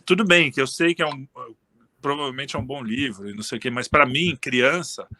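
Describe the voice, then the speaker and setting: Bright-voiced man chatting casually. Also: mid-range voice, brisk. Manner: relaxed, rambling, frequent restarts and fillers. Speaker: interview guest. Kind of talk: casual conversation.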